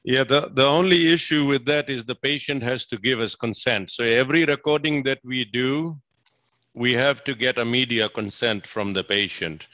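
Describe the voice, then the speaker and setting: A Fijian man acts as a physician fielding questions in a spoken Q&A at a presentation. His mid-range voice moves at a moderate pace and sounds pushed and bright. He is enthusiastic and emphatic, and he often repeats himself.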